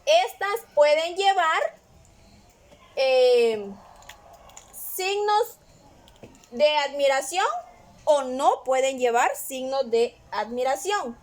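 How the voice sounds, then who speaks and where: A woman's voice: sits high, animated, extremely slow, pauses often. A woman teacher patiently explaining a grammar lesson, often checking in with the listener. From Guatemala. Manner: patient, repeats "¿verdad?" often.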